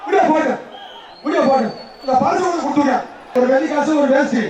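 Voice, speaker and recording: A man calls out the action through a loudspeaker PA, his voice pitched very high as he shouts over the crowd. The sound booms with heavy echo from far off, and a big crowd roars behind him. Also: a little fast. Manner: shouting, repeating cheers and prize lists. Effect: through a loudspeaker PA system. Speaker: event announcer. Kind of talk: live bull-taming commentary. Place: outdoor arena. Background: loud cheering crowd.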